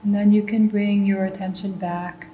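A woman leading a guided meditation as a teacher, giving calm, gentle instructions. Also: normal speed, muffled recording. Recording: roomy echo, faint low rumbling noise.

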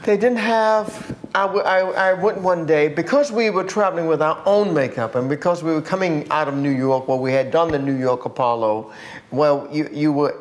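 A woman's voice: low voice, normal speed. An older woman with an American accent, a singer chatting as an interview guest, telling stories with lots of restarts and repeated words. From USA. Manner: animated storyteller, frequent restarts and repeated words. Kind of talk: casual interview chat.

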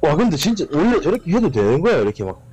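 A man in a voice chat, gruff and irritated, swearing. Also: a little high, sing-song, fast, a crowd in the background. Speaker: voice chat participant. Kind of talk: casual voice chat.

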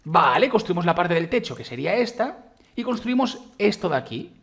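A man with a Spain Spanish accent giving excitable, rambling let's-play commentary while trying out a game, full of exclamations. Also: sits high, normal speed, gravelly. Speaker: gaming youtuber.

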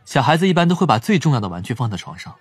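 An actor playing an astute, gentle psychologist detective in an audio drama. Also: male voice, mid-range voice, sing-song, racing, breathy edge, no room sound. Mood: keen, amused.

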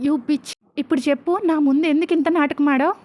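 A woman's voice: sits high, fairly even intonation, fairly quick, close to an everyday voice. Woman voicing a furious possessive young man. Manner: shouting, cutting, scornful.

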